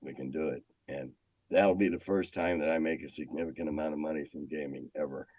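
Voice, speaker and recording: A man's voice: very deep voice, fairly even intonation, brisk, a little mellow, no echo. An older man with an American accent, chatting casually as an interview guest in a plain-spoken, wry way. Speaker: interview guest, retired magazine editor. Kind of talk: casual chat.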